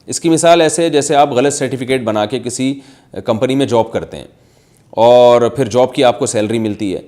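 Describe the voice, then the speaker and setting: A man's voice: mid-range voice, mellow. Male scholar answering viewer questions; patient, explains step by step with plain examples. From Pakistan.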